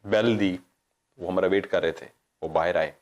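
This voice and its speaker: A man's voice: low-pitched, normal speed, dull audio. A middle-aged man, casually telling a story as a paranormal show host, acting out the dialogue and stopping to correct himself. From Pakistan. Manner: animated, acts out quoted dialogue, digresses and corrects himself.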